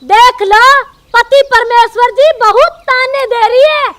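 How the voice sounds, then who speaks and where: A woman playing a shrill, bossy mother-in-law. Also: slow, a bit bright, slight background noise, exaggerated voice. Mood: scolding. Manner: taunting, threatening, bossy. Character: bossy scolding middle-aged mother-in-law. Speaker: mother-in-law in a comedy telefilm.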